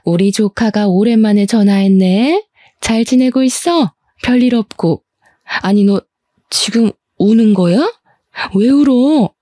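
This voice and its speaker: An outspoken middle-aged aunt, her voice raised a little and brisk with protective indignation, as a woman puts her on. The tone stays mellow and the sound is dry and close. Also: medium pitch, dry recording, close to an everyday voice. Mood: concerned.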